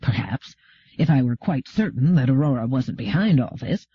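Dry, wry bearded captain, voiced by a male narrator; lowered husky voice. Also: sing-song, normal speed, dry recording, exaggerated voice. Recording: dull lo-fi recording.

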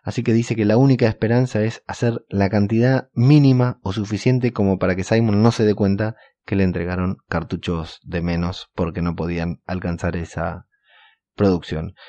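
A man, hosting a podcast and recapping a TV episode scene by scene in a steady retelling with occasional filler pauses. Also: fairly low pitch, no echo. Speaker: podcast host. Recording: dull, dry lo-fi recording.

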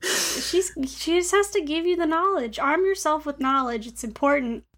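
High-pitched woman, podcast co-host, playful dramatic storyteller. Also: moderate pace, a bit bright. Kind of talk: casual chat.

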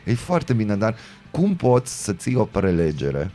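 Low-voiced man telling rambling stories. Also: huge pitch swings, mellow, soft background music. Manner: rambling, storytelling, ironic asides. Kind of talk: casual chat.

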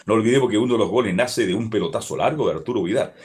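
A man on a sports panel, giving measured, emphatic opinions. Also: on the low side, lively intonation, a little mellow. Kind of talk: casual sports panel chat.

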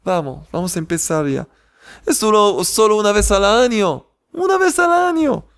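A man voicing a humble shoemaker who speaks softly and lovingly to his wife. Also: sits high, expressive, normal speed, pitched above the performer's own voice. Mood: tender. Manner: soft, tender, pleading.

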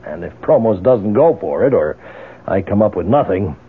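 A tough American ex-Marine in a seventies radio drama. His voice is husky and lowish, and he talks in a casual, probing way with small hesitations. The sound is narrow and tinny, like an old broadcast. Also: very animated, moderate pace. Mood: easy confidence. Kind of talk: 1970s radio drama acting.

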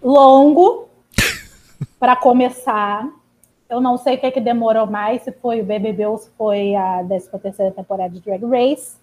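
A woman's voice: fairly high pitch, moderate pace, darkish tone, a little hiss or hum, rough recording. A woman as a podcast guest, making dry, wry remarks. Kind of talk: casual podcast chat.

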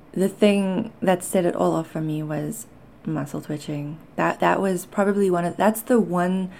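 A woman speaks in a low-pitched, mellow voice with plenty of fry in it. Her accent blends South African and Canadian. She talks like a podcast host confiding in listeners, candid and conversational, often pausing to find her words. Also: a little hiss or hum. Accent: mixed South African and Canadian. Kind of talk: personal confessional talk to listeners.

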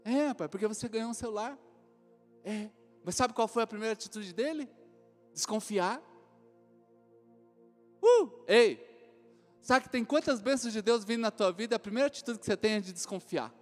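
A Brazilian man with an unusually high voice preaches a sermon. He tells lively stories and acts out the people in them. The sound rings out with a long hall echo, and soft music plays behind him. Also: moderate pace, long pauses. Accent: Brazilian Portuguese. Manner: animated storytelling, acts out other voices, laughs often. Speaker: pastor. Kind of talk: sermon with acted anecdotes.

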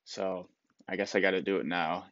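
A man's voice: low-pitched, steady tone, moderate pace, fairly bright tone, dry recording, dull audio. Stuffy-nosed man hosting a solo podcast. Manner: rambling, restarts, opinionated. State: stuffed-up nose. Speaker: podcast host. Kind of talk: solo sports opinion podcast.

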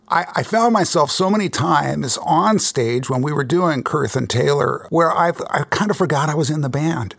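Male podcast host, fairly high, animated, gravelly and husky, dry sound. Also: dry recording. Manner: enthusiastic, admiring interviewer. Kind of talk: casual interview.

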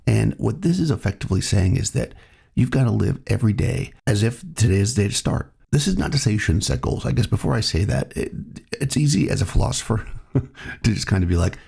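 A man hosting his own podcast, talking in a relaxed, reflective way while he has a cold. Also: fairly low pitch, brisk, creaky, breathy edge. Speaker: podcast host. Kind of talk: solo podcast monologue.

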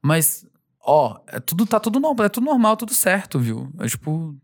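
A male singer being interviewed, talking in a relaxed, rambling way, laughing often and acting out fans' voices. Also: on the high side, moderate pace. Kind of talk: casual interview conversation.

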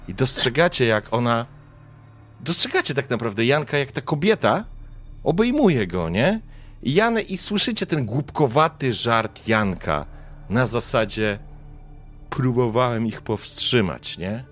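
A young man acting as game master, narrating a tabletop game with vivid, dramatic scene descriptions. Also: mid-range voice.

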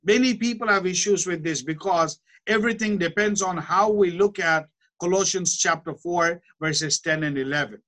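A man delivers a Bible lesson in a high, light voice. He speaks in a measured, explanatory way, pausing to pose rhetorical questions before answering them. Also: a bit bright. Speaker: Bible teacher. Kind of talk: Bible teaching lecture.

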